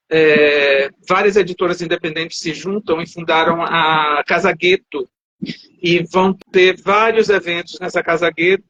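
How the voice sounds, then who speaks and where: A man's voice: sits high, fairly bright tone. A man from Salvador, Bahia, a writer guest in a live video interview, who rambles and corrects himself mid-sentence. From Salvador, Bahia, Brazil. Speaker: author guest. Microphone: video call. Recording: dull, dry video call audio.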